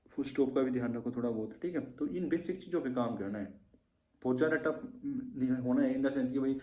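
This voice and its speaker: A man's voice: medium pitch, mellow, reverberant. A man coaching shorthand exam students in an informal lesson, with a habit of repeating "theek hai". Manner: informal and repetitive, often adds "theek hai". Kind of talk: casual exam-tips lesson.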